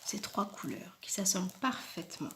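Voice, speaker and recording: A woman presenting craft paper products in a casual vlog, chatty and enthusiastic, often dropping into soft asides. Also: lowish voice, expressive, moderate pace, background noise. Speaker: independent crafting product demonstrator.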